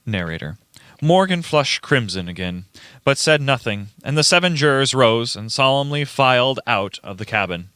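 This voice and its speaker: A man reading scripted radio play narration in a deliberate, dramatic way. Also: medium pitch, animated, fairly bright tone, clean tone, no echo, clean studio sound. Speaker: reader, narrator.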